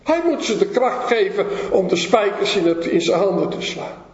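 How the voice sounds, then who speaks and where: A man preaching a sermon and reading from the Bible, emphatic with dramatic swings in pitch and loudness. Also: animated, normal speed. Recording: echoey hall, dull lo-fi sound.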